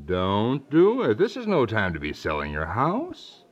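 An actor playing a breezy, opinionated, joking family friend in a 1950s radio comedy, with a blunt, folksy way of talking. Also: male voice, on the low side, wildly swooping pitch, measured pace, exaggerated voice. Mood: breezy, assured. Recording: muffled vintage radio recording.

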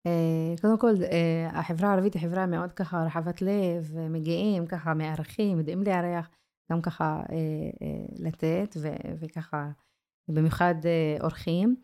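A woman's voice: lowish voice, steady tone, mellow. A woman speaking as a guest in a podcast interview, often searching for words between filler sounds.

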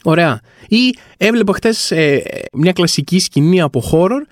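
A man's voice: sits high, expressive, no room sound, studio quality. A man hosting a comic podcast, rambling through a wry, self-mocking monologue. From Greece. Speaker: podcast host.

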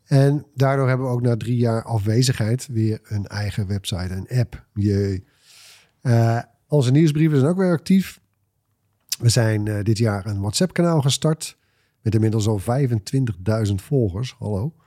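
A man co-hosting a podcast in casual chat, halting and repeating words as he goes. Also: mid-range voice, dark tone. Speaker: podcast co-host.

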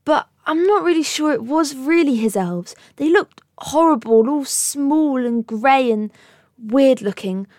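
A woman's voice: sits high, lively intonation, unhurried, a little mellow, no echo, studio quality. A woman playing a polite, curious little girl in a dramatised story, earnest and innocent. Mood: earnest, worried.

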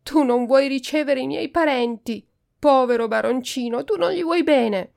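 A haughty countess from a storybook, sneering and whining about her relatives, as a woman puts her on. The voice sits higher and louder than plain speech, with a gravelly edge. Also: normal speed. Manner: scornful, whining. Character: haughty, tearful older countess, scornful.

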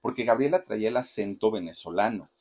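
Husky, chatty storyteller man. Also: lowish voice, animated, brisk, darkish tone. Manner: chatty, dramatic, addresses viewers directly. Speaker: host. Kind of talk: gossip storytelling.

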